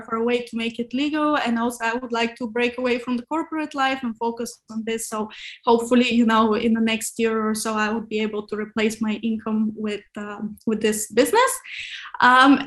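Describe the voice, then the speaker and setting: A young woman from Bulgaria speaks in a fairly high voice over a video call. She introduces herself in a chatty, giggly way, with plenty of fillers. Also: a bit bright. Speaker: workshop participant. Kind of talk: casual self-introduction.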